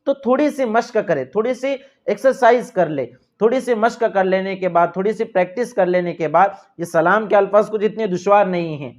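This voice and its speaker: A man's voice: high-pitched, hardly any pauses. A man with a Pakistani Urdu accent giving earnest, repetitive religious instruction and addressing viewers as dear friends. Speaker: religious teacher. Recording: dull lo-fi sound.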